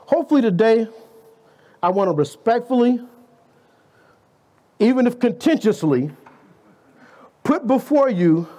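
Guest preacher, man in his fifties, high tenor with a very animated delivery, conversational sermon style. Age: 50s. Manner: conversational preaching, rhetorical questions, playful asides.

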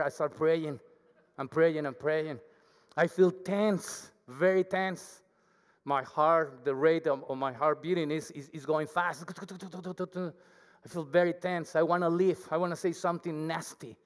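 A man with a thick Mexican accent, Spanish his first language, preaching a humble, chatty sermon as a guest speaker. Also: a little high. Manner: humble, self-deprecating, chatty with the congregation. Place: church. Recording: hall reverb.

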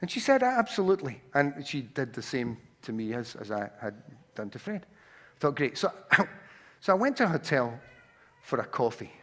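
A man's voice: mid-range voice, big pitch swings, moderate pace, a bit bright. A man with a Glaswegian accent preaching a sermon, telling personal stories with frequent restarts and repeated words. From Scotland. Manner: anecdotal storytelling with frequent restarts.

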